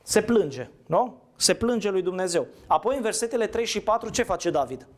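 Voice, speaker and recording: A man's voice: high voice, animated. A man preaching a sermon in a conversational way, asking his listeners questions and answering them himself. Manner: asks the audience questions, conversational. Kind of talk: interactive sermon.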